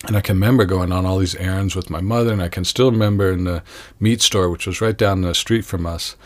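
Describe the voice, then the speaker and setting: A man from Connecticut, a guest, telling stories of his childhood in a relaxed, rambling way with many fillers, recorded in a trailer. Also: deep voice, fast talker. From Connecticut, USA. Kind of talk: casual storytelling interview. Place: trailer with wind and flags outside.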